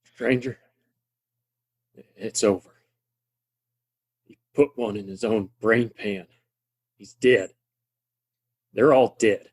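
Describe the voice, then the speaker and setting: A man voices a sombre Old West townsman in an audio drama. His low, husky voice is grave and unhurried. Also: a little mellow. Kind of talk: audio play acting.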